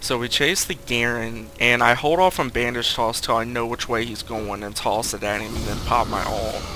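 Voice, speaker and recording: Noticeable background noise sits behind a man speaking at a fairly slow pace. His medium pitch shows ordinary variation. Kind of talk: gaming commentary. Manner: casual, explanatory, with frequent filler 'um'.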